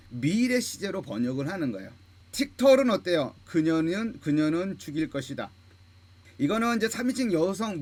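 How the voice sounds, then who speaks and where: High-voiced man teaching syllable by syllable. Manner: drills words slowly, syllable by syllable, asks and answers his own questions. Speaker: Hebrew grammar teacher. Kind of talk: lecture.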